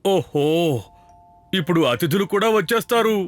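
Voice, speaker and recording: A man's voice: high-pitched, normal speed, natural voice. A man playing a cheerful, supportive father in a children's cartoon. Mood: concerned.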